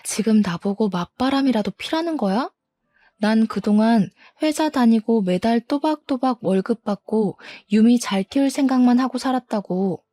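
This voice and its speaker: A woman's voice: fairly high pitch, normal speed, warm tone, no room sound, clean studio sound. A woman narrating her own story in first person, bitter and aggrieved, with heated retorts in the scenes.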